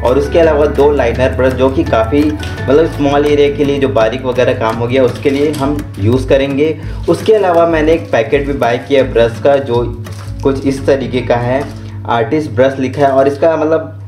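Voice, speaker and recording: A man's voice: mid-range voice, warm tone, echoey room. A young man in his twenties from central India, chatting casually as he hosts a vlog about the art supplies he bought. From Raipur, Chhattisgarh, India. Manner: chatty and informal, mixing English words into Hindi. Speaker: art channel host. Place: small room with art supplies, indoors.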